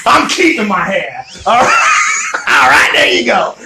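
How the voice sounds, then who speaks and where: A man with a very high, lively voice hypes up a joke sales pitch, shouting and bantering. The sound is roomy and echoey, with clear background noise throughout. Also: measured pace. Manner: loud, boisterous, hyped, shouting. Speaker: mock shopping channel pitchman.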